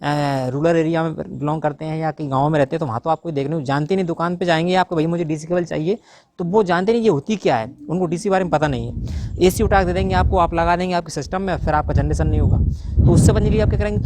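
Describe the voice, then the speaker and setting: Fast-talking man explaining solar wiring. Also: fairly high pitch, darkish tone, a little hiss or hum. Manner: rapid, talks to viewers directly, frequent fillers. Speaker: YouTube tutor on solar installation.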